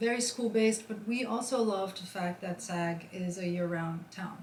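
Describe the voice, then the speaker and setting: Room echo is audible as a woman talks at medium pitch and a moderate pace. Her intonation stays fairly even. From Brazil. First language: Portuguese. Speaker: store owner. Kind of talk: interview.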